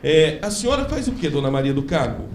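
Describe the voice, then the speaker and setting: A man's voice: on the high side, very animated, fast talker. Formal man chairing a council hearing. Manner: formal, courteous, clarifying questions.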